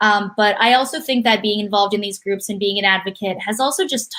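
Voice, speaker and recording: Her voice sits at a medium pitch, and she talks at a moderate pace. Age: 20s. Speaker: genetic disease carrier and advocate. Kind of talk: webinar talk. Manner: halting.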